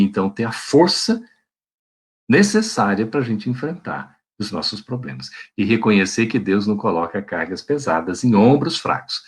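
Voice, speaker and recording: A man delivers a devotional talk over a video call, his voice slightly husky. His pitch swings widely as he preaches in a friendly, colloquial way, checking in with listeners. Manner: warm, colloquial preaching with frequent "né?" tags. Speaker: spiritist lecturer. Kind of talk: devotional talk to an online audience.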